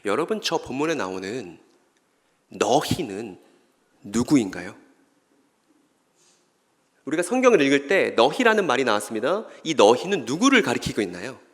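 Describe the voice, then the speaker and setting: In a church hall with long reverb, a man with a mid-range, sing-song voice gives a Bible lecture at a moderate pace, pausing often. He keeps asking the audience questions and answering them himself, and acts out brief scripture dialogues in different voices.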